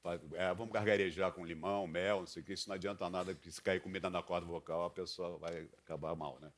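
Very deep-voiced man. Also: steady tone, fast. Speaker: voice specialist guest. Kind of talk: comedic interview answers.

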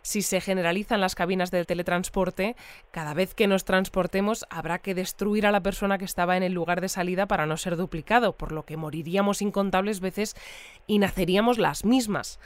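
An actress playing a courteous, measured female radio interviewer who reads out listeners' messages in a conversational audio drama. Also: fairly low pitch, steady tone, no room sound, close to an everyday voice. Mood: polite, attentive. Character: polite female radio interviewer in a futuristic community.

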